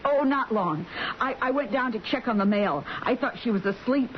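An actress playing a nurse in a radio drama, polite, flustered and stammering. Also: female voice, on the high side, expressive, normal speed, natural voice. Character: flustered, apologetic home nurse. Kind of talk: old-time radio drama acting. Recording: dull vintage radio recording, faint hiss.

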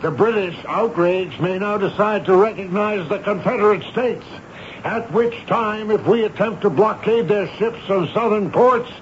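An actor playing a flustered, indignant army major with formal, emphatic delivery in a 1970s radio drama. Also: male voice, sits high, lightly acted. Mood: outraged. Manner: formal, emphatic, halting in dismay. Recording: dull, noisy vintage radio broadcast.

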